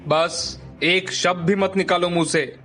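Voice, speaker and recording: A woman voicing a stern, angry old grandfather in an animated story, scolding and lecturing his family. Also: lowish voice, unhurried, faint music behind, pitched below the performer's own voice.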